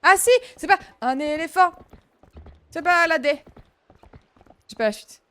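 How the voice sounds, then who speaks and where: A woman's voice: high voice, animated, unhurried, pushed and bright, no room sound. Chatty young woman streaming a game. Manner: chatty, rambling, talks to chat. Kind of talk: casual gaming commentary. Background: faint game music.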